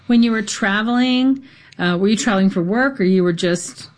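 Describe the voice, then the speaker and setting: A woman's voice: mid-range voice, moderate pace. A woman interviewing a guest in a casual conversation, encouraging him with frequent short affirmations.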